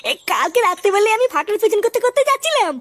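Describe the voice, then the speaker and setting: A woman voicing an excitable, anxious villager in a comedy cartoon, with an agitated, pleading delivery. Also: very high voice, very fast, no echo, exaggerated voice.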